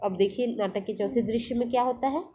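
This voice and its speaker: Patient female teacher, high-ish voice. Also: a little fast, warm tone, a little hiss or hum. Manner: patient, repeats and explains each line. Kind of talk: explaining a textbook lesson.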